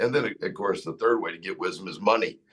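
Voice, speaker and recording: A man talks with a Southern accent. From US South, Mississippi. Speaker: pastor and motivational speaker. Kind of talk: podcast interview. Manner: animated.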